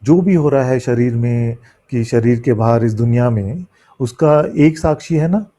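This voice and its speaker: Slow, halting, mellow man, imperfect Hindi. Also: medium pitch. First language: not a native Hindi speaker, apologises for imperfect Hindi. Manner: halting, searching for words, mixing in English words. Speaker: spiritual teacher. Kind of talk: spiritual discourse in question-and-answer setting.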